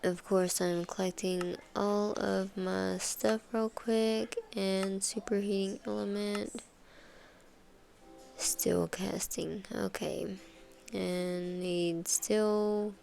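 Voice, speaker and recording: Congested, gravelly woman. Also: medium pitch, fairly even intonation, drawn-out words, a little mellow, soft background music. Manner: rambling, casual, many fillers. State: congested from sinus trouble. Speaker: gaming video host. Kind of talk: gameplay voice-over commentary.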